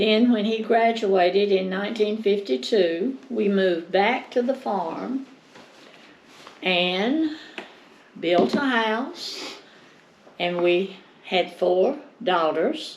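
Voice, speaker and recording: Against an audible room echo, a woman with a Southern US accent speaks at a very slow pace and medium pitch, her intonation lively and broken by long, frequent pauses. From Virginia, Abingdon area; Alabama from age 16. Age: 80s+. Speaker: retired farmer, grandmother. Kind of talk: interview, life story.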